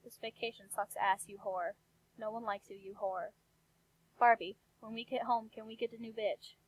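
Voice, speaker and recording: Woman reading as monotone, bickering foul-mouthed dolls. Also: fairly high pitch, moderate pace, breathy edge, rough recording. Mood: flat, insulting. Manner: monotone, flat line reading.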